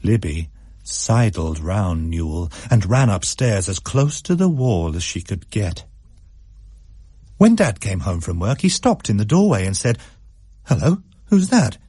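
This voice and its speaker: A man narrating a spooky story in a measured, suspenseful way. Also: low voice, sing-song, mellow, husky, dry recording, clean studio sound.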